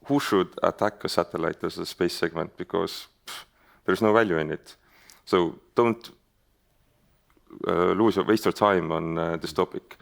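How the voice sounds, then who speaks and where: A man's voice: deep voice, normal speed, creaky. A man with an Estonian accent moderating a conference panel, speaking hesitantly with many fillers and restarts. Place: conference hall stage.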